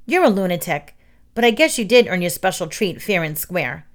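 A woman's voice: on the low side, big pitch swings, normal speed. A woman voicing a nerdy, earnest boy in a children's story, impatient and easily indignant. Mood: resigned.

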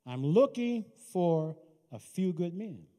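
A man playing a calm, commanding male teacher who calls his followers forward in a firm, raised voice. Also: high voice, takes it slowly, full character voice. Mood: calling. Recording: reverberant hall.

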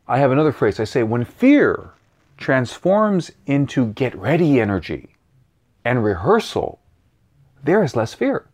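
A man speaking as a guest coach in an interview, animated and repeating key phrases for emphasis. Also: medium pitch, a little slow. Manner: animated, acts out voices and sounds. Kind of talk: interview answering questions.

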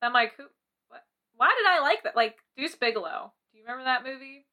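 A young adult woman with an American accent talks casually as a podcast co-host. Her voice is high and clearly bright. She is effusive and prone to giggles, speaking very informally. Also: animated, quick pace. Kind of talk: casual chat.

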